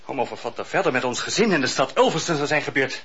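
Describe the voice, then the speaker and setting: A man's voice: mid-range voice, lively intonation, quick pace, a bit bright. An actor playing a pompous, middle-aged chief judge with gout, patronizing his wife in a radio play. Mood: smug. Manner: smooth, patronizing, groaning in pain. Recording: dull lo-fi radio recording.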